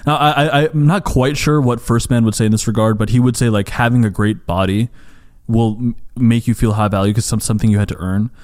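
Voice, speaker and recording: A man's voice: medium pitch, fairly even intonation, a little fast, darkish tone. A young man from the United States hosting a podcast, talking casually and rambling with lots of "like" and restarts. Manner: rambling, heavy use of "like", frequent restarts. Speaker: podcast host. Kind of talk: casual conversation.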